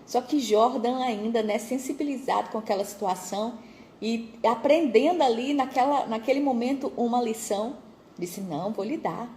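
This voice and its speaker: Mellow-voiced Brazilian woman telling a faith story. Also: fairly high pitch, normal speed, slight background noise, poor audio. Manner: conversational, addresses listeners directly. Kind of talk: religious storytelling.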